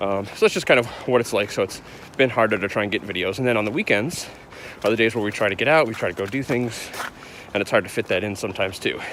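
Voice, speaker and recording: The man talks very fast in a fairly low pitch with ordinary pitch variation. Noticeable background noise runs underneath. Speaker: YouTuber reviewing fidget spinners. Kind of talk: casual vlog monologue. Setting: outdoors, walking.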